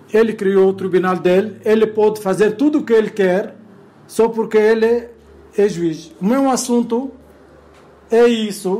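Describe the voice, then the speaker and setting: Fairly slow with long, frequent pauses, a man speaks in a high pitch, his intonation fairly even and his loudness very even. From Lebanon. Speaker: businessman. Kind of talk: testimony. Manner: halting.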